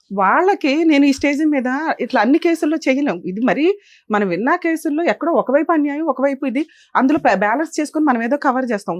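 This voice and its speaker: A woman advocate scolds guests quickly and emphatically in a fairly high voice. Her indignant lecture carries in a dry room with no echo. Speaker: advocate and show host. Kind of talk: stern lecture on a family dispute show.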